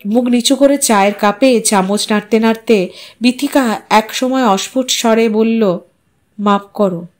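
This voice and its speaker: A woman narrating a literary story in an expressive, measured, dramatic way. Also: fairly high pitch.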